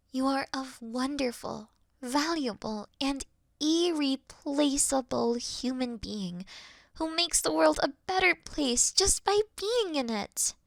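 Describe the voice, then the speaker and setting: A woman playing a caring, worried best friend in an intimate roleplay audio call, speaking softly and soothingly with breathy murmurs. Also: fairly high pitch, no room sound, studio quality, full character voice. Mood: tender, reassuring. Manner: soft, soothing, reassuring, sighing, dropping into breathy murmurs. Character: caring, gentle young female best friend, patient and worried.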